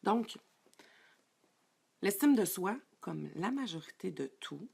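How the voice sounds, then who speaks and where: A woman's voice: medium pitch, expressive, slow, gravelly, a little hiss or hum. Chatty woman coaching live. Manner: warm, chatty, greets viewers by name, many fillers. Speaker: life coach. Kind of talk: live-streamed coaching talk.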